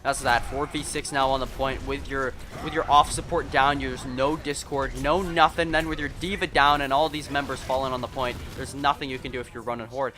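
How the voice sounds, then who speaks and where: A man casting a live esports match as play-by-play commentator, fast and excitable, chatting with his co-caster. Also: medium pitch, noisy background. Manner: fast, excited play-by-play that rises at big moments; self-deprecating and chatty with co-caster.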